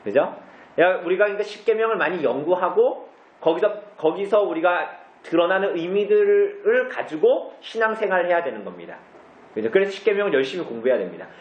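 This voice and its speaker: Pastor teaching a catechism class, high and lively voice, asks the room questions and answers them himself, caught from a distance in a dull, very echoey church hall. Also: male voice.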